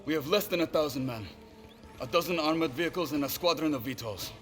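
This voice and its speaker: A man playing a formal, measured army lieutenant. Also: fairly high pitch, fairly bright tone, soft background music, lightly acted. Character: weary, courteous male army lieutenant. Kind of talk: video game cutscene acting.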